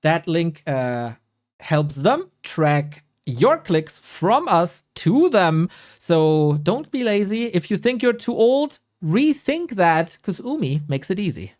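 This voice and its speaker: A man's voice: high-pitched, very animated, slow pace, a little mellow. A male esports caster from Germany. He talks in a playful, self-mocking, chatty way. His intonation swings widely up and down. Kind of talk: live esports casting with a sponsor read.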